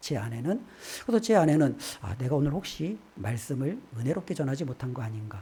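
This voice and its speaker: A man speaks at a fairly quick pace with a dark, mellow, somewhat breathy tone, fairly high in pitch. His pitch swings very widely on a very clean recording with a silent background. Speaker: pastor. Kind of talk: sermon. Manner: fast.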